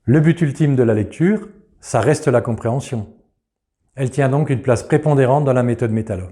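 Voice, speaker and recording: Warm man narrating a presentation. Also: medium pitch, normal speed. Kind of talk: scripted narration.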